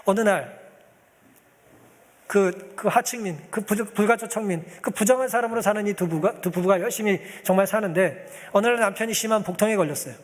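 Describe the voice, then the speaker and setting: A man's voice: sits high, a little fast, in a large hall. A male pastor preaching a sermon, telling a story and acting out the pleas of its people as he addresses the congregation.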